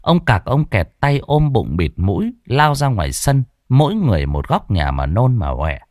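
A man narrating a ghost story in a dramatic, expressive way. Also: medium pitch, normal speed, no echo, clean studio sound.

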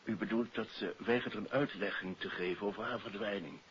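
A man's voice: fairly low pitch, a little fast, a bit bright, natural voice. An actor playing an earnest, formally polite doctor and anxious father in a 1950s radio drama. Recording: dull, hissy 1950s radio recording.

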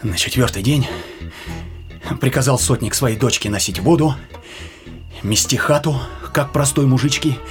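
A man's voice: medium pitch, normal speed, long pauses, music in the background. A young man in a radio play, telling his sweetheart an old tale in a tender, teasing way. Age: young adult.

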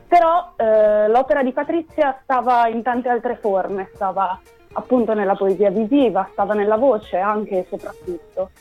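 Woman guest explaining her theater project, thoughtful, slightly muffled sound. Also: medium pitch. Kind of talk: radio interview.

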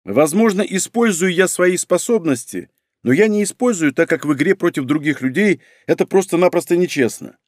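Brief: wry male narrator, animated delivery, dry studio sound. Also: fairly high pitch, normal speed, no room sound. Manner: wry, conversational. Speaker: audiobook narrator. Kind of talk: first-person audiobook narration.

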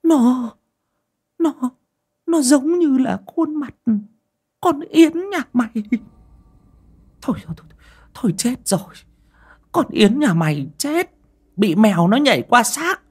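A shrill older aunt scolds her relatives in a spoken ghost story, put on by a woman narrator. Her voice climbs high and loud, with a husky edge and wild swings in pitch. She sounds bossy and fearful. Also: lively intonation, slow, long pauses, exaggerated voice. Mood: shrill scolding. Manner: shrill, berating, superstitious scolding. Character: harsh scolding older woman, clan head's wife.

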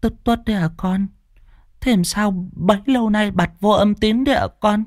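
A kindly old village woman in a storybook speaks softly, in a raised and fussing voice, as a man puts her on. She pleads and dotes rather than scolds. It is close and dry. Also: sits high, moderate pace, no room sound, pitched above the performer's own voice, lightly acted. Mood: tender.

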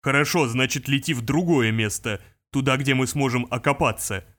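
A man doing a calm bodyguard on the radio. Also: mid-range voice. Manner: calm, measured. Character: calm grown male bodyguard. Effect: heard over a radio receiver. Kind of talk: audiobook character voice.

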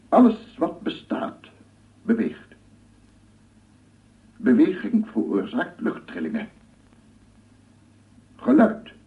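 Through a thin, phone-like old radio recording comes an obsessive, aggrieved male amateur inventor. His voice is low and very husky, cracking into gravel. He mutters haltingly to himself, then swells into grandiose declamation, as in a radio play monologue. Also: exaggerated voice. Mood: formal lecturing. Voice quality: husky, gravelly, often dropping to breathy murmur.

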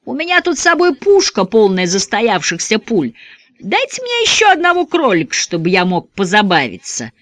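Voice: mid-range voice, huge pitch swings, normal speed, a bit bright, no room sound, pitched above the performer's own voice. Narrator doing a cocky taunting gunman.

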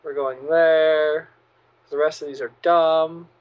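A man chats casually on a podcast, dry and sardonic, swearing freely. His voice sits a little high. The recording is dull and lo-fi. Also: little pitch movement, slow pace, smooth. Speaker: podcast co-host. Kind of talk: casual chat.

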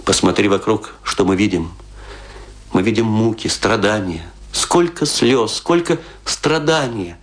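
An actor playing a rueful, self-mocking, tipsy middle-aged Russian intellectual in a theatrical monologue, confiding and declaiming with dramatic pauses. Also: male voice, on the low side, lightly acted. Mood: mournful, ironic.

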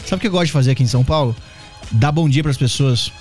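Um homem brasileiro conversando num podcast, contando histórias animadas e rápidas, com a voz um pouco desgastada. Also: male voice, medium pitch, soft background music. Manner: fast, animated storytelling with acted quotes. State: lost his singing voice, coughing. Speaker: podcast co-host. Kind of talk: casual chat. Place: São Paulo.

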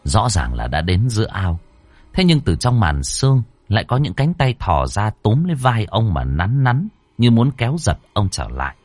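A man's voice: fairly low pitch, sing-song, moderate pace, no room sound, soft background music. A man narrating a ghost story in a dramatic, suspenseful way. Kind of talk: audiobook narration.

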